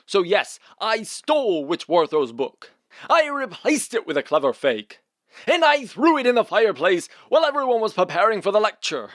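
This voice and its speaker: A man's voice: high voice, very animated, moderate pace, fairly bright tone, no room sound, clean studio sound. A man playing a defensive, guilt-ridden royal brother in a fairy-tale audio comedy, dramatic and self-justifying. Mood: indignant. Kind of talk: audio fiction comedy acting.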